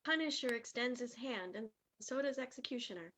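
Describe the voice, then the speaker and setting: Higher-voiced woman narrating wrestling scenes. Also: animated, a little fast, pushed and bright, a little hiss or hum. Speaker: reader of stage directions.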